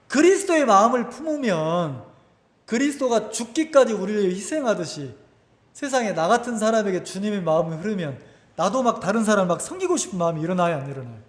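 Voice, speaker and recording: A man preaches a lively, conversational sermon, his voice sitting high and leaping widely in pitch. He keeps asking the congregation questions. The recording carries a long, roomy church echo. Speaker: pastor. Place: church sanctuary. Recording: echoey church hall.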